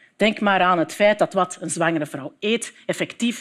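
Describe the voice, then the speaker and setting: Speaking at a moderate pace, a woman shows ordinary pitch variation. Everything behind her is quiet. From Flanders, Belgium. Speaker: bioethicist. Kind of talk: lecture. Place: stage. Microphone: headset.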